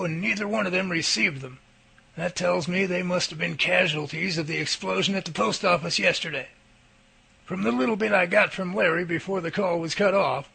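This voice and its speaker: A man playing a businesslike research team leader with a raspy, gravelly voice, briefing deliberately in an audio drama. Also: high voice, sharp tone, exaggerated voice.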